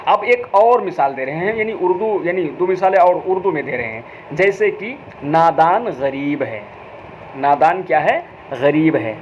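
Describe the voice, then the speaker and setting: A man's voice: fairly high pitch, lively intonation, unhurried. A man with a South Asian Urdu accent teaching a recorded logic lesson, repeating terms and asking the viewers rhetorical questions. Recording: slightly dull, faint background noise.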